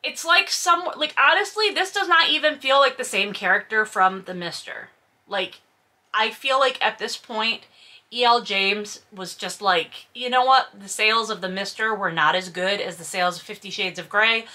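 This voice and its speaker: Her medium-pitched voice animated and sharp at a moderate pace, a woman reads a book aloud and keeps interrupting with casual, sarcastic remarks. She sounds sardonic, incredulous, and emphatic, and she swears a bit.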